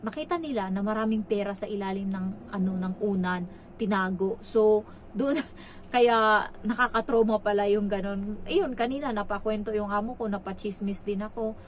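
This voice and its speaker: Speaking at a moderate pace with a medium pitch, this woman from the Philippines, who works abroad as a domestic helper, shares a casual vlog story. She gossips and chats freely, using lots of fillers, over slight background noise.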